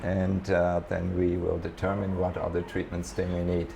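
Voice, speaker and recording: Low, monotone, and gravelly, a man's voice moves at normal speed while he leads visitors through an animal rescue center. His walking-tour explanations are hesitant and packed with fillers. Dogs bark throughout this noisy outdoor recording.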